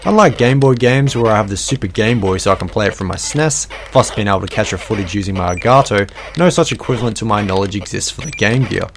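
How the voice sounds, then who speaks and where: A man's voice: on the low side, animated, fast, few pauses, slight background noise. A man narrating a scripted retro video game review, with wry, self-deprecating jokes between points.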